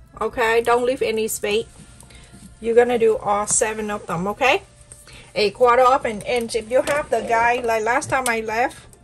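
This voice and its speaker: Noticeable background noise accompanies fairly slow speech with fairly even intonation. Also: woman. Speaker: sewing tutorial creator. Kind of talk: tutorial.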